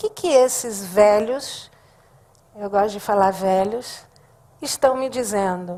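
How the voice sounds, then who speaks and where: A woman is speaking. Her tone is dark and mellow. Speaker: anthropologist and writer giving a talk. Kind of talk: lecture.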